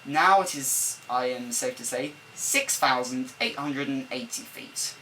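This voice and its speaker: A young man rambles and corrects himself mid-sentence as he talks through a game build, his mid-pitched voice caught on an old camcorder's built-in mic. A faint laptop fan hums underneath the whole time. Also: unhurried, sharp tone, low-quality recording. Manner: rambling, self-correcting, chatty. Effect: recorded on an old camcorder microphone. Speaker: let's-play builder. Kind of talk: off-the-cuff game commentary voice-over. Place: at a desk at home. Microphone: camera microphone, not a desk mic. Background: faint laptop fan hum.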